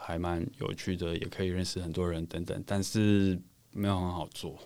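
A man with a non-native accent and a very deep, low pitch, fairly even intonation and a moderate pace. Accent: foreign accent in Mandarin. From Colombia. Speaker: craft brewery founder. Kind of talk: casual interview. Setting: studio. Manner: halting.

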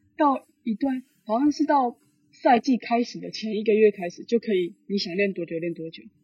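A woman speaks at a moderate pace in a fairly high, somewhat breathy voice with a dark, mellow tone. Her intonation is lively, and her loudness swings widely. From Taiwan. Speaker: student athlete. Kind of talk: casual interview. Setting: video call. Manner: halting.

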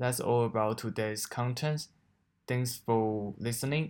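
On a very clean recording with a silent background, a man speaks very slowly with a Chinese accent. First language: Mandarin Chinese. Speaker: student podcaster. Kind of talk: scripted narration. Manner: halting.

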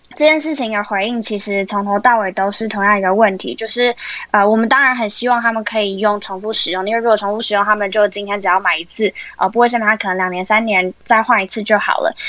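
A woman speaks fairly quickly with ordinary pitch variation while noticeable background noise plays behind her. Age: 20s. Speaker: nonprofit founder. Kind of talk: online panel discussion. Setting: online audio chat room.

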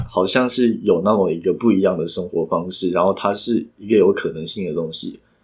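In a very clean recording with a silent background, a man speaks at a moderate pace in a plain, everyday voice with ordinary pitch variation. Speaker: university student, documentary maker. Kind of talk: casual chat.

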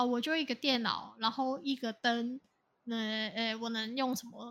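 A woman speaks at a moderate pace in a high pitch. Her tone is bright and sharp, with fairly even intonation. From Hong Kong. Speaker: startup founder, podcast co-host. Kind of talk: casual chat.

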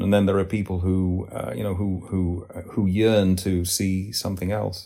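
A man with an English accent speaks at a moderate pace, his pitch fairly low and his intonation fairly even. His tone is dark and mellow, and the recording is very clean with a silent background. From England. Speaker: writer and publisher. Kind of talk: interview.

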